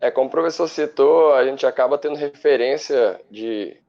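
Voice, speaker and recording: A man in his thirties answers interview questions in long, fluent, well-ordered sentences. His mid-pitched voice is dark and carries some gravelly fry. The audio sounds a bit muffled, like a TV broadcast. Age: 30s. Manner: articulate, fluent, measured explanations. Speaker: women's football coach, studio guest. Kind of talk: studio interview.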